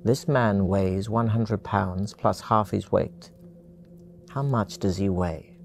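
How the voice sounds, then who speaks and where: An actor voicing a giggling white-haired old man who sets riddles, in a high-pitched gleeful voice. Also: slow, creaky, slight background noise. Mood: sly.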